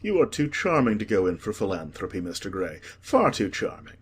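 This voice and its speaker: A man voicing a witty, languid aristocratic gentleman with a teasing, ironic manner. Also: on the low side, big pitch swings, fairly quick, breathy edge.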